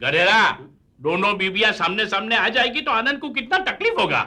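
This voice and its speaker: An actor playing a blustering office boss who speaks broken street Hindi in a sitcom. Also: male voice, high voice, animated, brisk, bright, forceful tone, full character voice. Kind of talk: sitcom acting.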